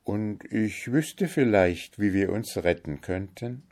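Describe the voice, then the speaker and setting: A man's voice: fairly low pitch, lively intonation, takes it slowly, a little mellow. A man voicing a sorrowful owl who is an enchanted young princess, in a plaintive, mournful tone for an audiobook. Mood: earnest pleading. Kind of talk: audiobook character voice.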